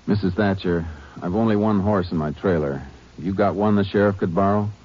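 An actor playing a stern Texas Ranger who narrates and questions firmly, in 1950s radio drama style. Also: male voice, sits low, brisk. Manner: firm, clipped questioning. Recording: dull old radio broadcast.

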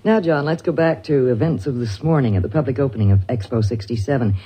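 A man's voice: mid-range voice, quick pace, dark tone, breathy edge, low-quality recording. A man presenting a 1960s broadcast, handing over to a reporter with jaunty patter. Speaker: radio broadcaster.

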